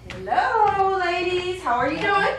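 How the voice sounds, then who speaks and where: A woman's voice: extremely high pitch, lively intonation, a little slow, roomy sound, far from the mic, noisy background. A woman on stage playing a bossy, exasperated, foul-mouthed theatre stage manager, brash and emphatic. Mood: brisk, coaxing. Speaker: stage actor. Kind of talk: live stage comedy acting. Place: small indoor theatre stage. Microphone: far camera.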